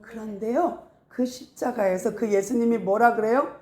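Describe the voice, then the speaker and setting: A woman pastor preaching a sermon in a lively storytelling way, often acting out voices, in a casual spoken style mixed with preaching. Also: a little high, normal speed. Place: church. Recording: echoey room.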